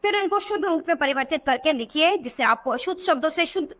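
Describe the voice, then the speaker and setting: Woman, high-pitched, teacher, grammar lesson, question-and-answer delivery. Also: lively intonation, fairly bright tone. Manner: asks questions then answers them herself; slow deliberate word-by-word examples. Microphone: voice-over for a video book.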